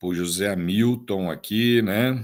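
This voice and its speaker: Recorded very cleanly against a silent background, a man with a fairly low pitch and ordinary pitch variation speaks in an ordinary speaking voice. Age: 50s. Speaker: retirement law advisor. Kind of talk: live stream Q&A talk. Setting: live stream. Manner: casual, conversational.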